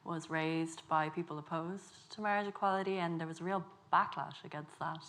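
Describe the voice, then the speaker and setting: A Dublin woman in her thirties speaks on a festival panel. Her voice sits low and stays flat, with little rise and fall. She tells her account in a measured, reflective way. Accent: Dublin Irish. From Ireland. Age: 30s. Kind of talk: panel discussion.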